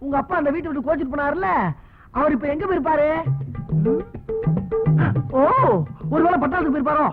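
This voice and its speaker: A man's voice: very high-pitched, fairly quick, pauses often, narrow, tinny audio, music in the background. A man in a Tamil film comedy, asking teasing, wheedling questions.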